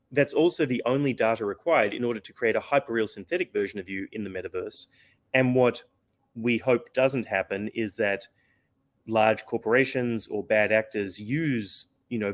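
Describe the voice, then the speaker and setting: Low-voiced man, voice going hoarse. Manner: earnest explainer with many fillers and restarts. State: losing his voice. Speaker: company founder, interview guest. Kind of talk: conversational interview answer.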